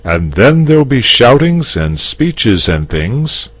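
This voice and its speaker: A man's voice: medium pitch, sing-song, takes it slowly, husky, dry recording, pitched above the performer's own voice, full character voice. A man voicing a confident, patient knight in a storybook reading, raising his voice and coaxing. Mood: persuading. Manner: persuasive, patient.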